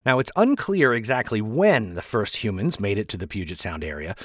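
A man's voice: on the low side, expressive, a little fast. A man hosting a podcast, reading a history narration with chatty asides. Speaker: podcast host and author.

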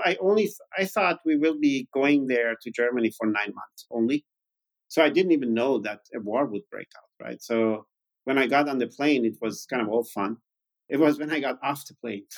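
A man's voice: mid-range voice, fairly quick, vocal fry, low-quality recording. A man in his fifties from Iran, a native Farsi speaker, telling his story conversationally as an interview guest. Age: 50s. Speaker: interview guest, tech founder.

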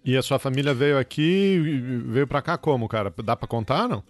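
A man's voice: mid-range voice, lively intonation, normal speed, soft background music. A man hosting a podcast, introducing his guest in a cheerful, informal way. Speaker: podcast host.

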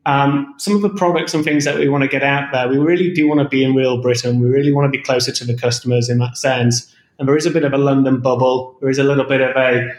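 A man, a bank executive guest, giving measured interview answers about his bank, with frequent fillers. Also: mid-range voice, fairly even intonation. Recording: roomy echo.

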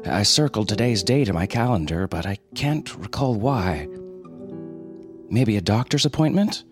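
A man's voice: fairly low pitch, expressive, normal speed, music in the background, lightly acted. A man voicing an elderly absent-minded professor father who is vague and forgetful, in an audio story. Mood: muddled.

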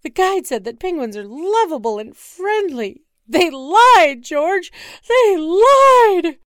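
A woman voicing an excitable, gushing wife who loves penguins. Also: sits high, normal speed, no room sound, studio quality, voice pushed up. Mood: excited. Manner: gushing, squealing, giddy. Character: excitable penguin-loving middle-aged wife.

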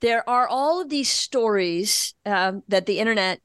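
A woman's voice: mid-range voice, animated, unhurried, fairly bright tone, clean tone, no room sound, studio quality. A woman co-hosting a podcast, asking wry, direct questions. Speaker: podcast co-host. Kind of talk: podcast interview.

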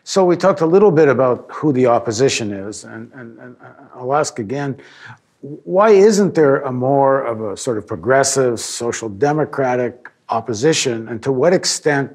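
Husky-voiced male political interviewer. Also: medium pitch, lively intonation, normal speed, a little mellow.

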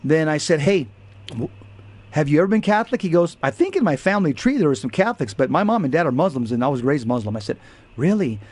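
A man's voice: a little high, sing-song, fast, darkish tone. A man co-hosting a Catholic radio talk show, telling stories and teaching in an earnest, emphatic way.

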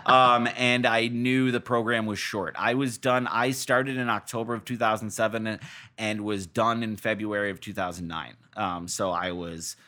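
An American man in his thirties from Massachusetts, telling his own stories as an interview guest in a casual, animated, self-deprecating, jokey way. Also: fairly low pitch, moderate pace. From Massachusetts, USA. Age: 30s. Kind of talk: casual conversational storytelling.

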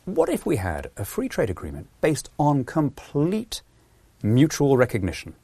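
This podcast guest is a politician born in Peru who now lives in England and speaks British English. He's an animated storyteller who performs quotes and keeps restarting sentences. His mid-range voice moves at a moderate pace, with vocal fry and slight roughness, and there's no room sound.

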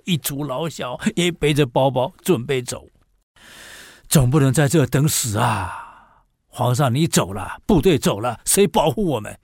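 A man's voice: medium pitch, darkish tone, dry recording, clean studio sound. A man voicing an old commoner who boldly scolds the emperor, pleading and then bursting out in indignation. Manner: pleading, rising to indignant outbursts.

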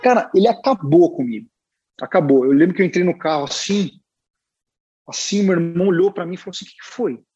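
Husky-voiced Brazilian man telling a story. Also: sits high, fast, highs cut off. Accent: Brazilian Portuguese. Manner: animated, chatty, peppered with filler words. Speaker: guest illustrator. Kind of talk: casual storytelling.

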